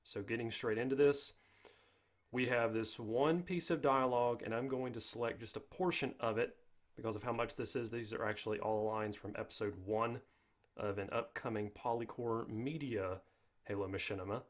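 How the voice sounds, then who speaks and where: A man's voice: medium pitch, steady tone, moderate pace. Male tutorial host, mid-range voice, informal step-by-step explainer. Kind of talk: casual software tutorial narration.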